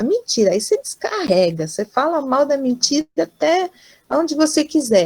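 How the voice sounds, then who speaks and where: Somewhat breathy speech at a moderate pace, with a dry, close sound with no echo. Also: woman. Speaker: pastor and psychologist. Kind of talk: online lecture. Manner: animated.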